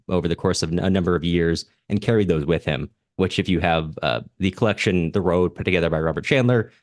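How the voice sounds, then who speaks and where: Very deep-voiced man explaining, dry close sound. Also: no echo. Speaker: podcast host. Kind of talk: explanatory literary discussion, unscripted.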